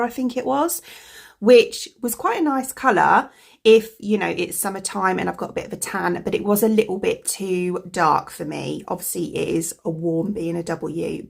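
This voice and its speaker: A woman with a croaky voice from a cold, chatting casually as a beauty vlogger, rambling with lots of fillers. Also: medium pitch. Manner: rambling, full of fillers like "like" and "you know". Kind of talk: chatty product review.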